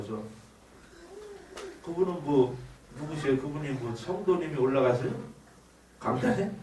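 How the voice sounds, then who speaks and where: A man telling his life story as a spoken church testimony, acting out what he said and felt back then. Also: fairly high pitch. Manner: animated storytelling, acts out his own past outbursts. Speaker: evangelist giving testimony. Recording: echoey room, distant mic, noisy.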